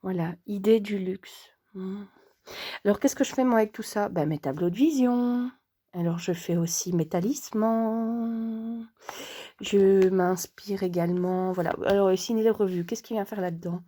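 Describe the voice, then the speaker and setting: Chatty woman with a mellow voice. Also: medium pitch, normal speed. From Belgium. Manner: chatty, hesitant, many fillers, drops into whispers. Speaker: vlogger and sophrology coach. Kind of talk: casual chat to camera.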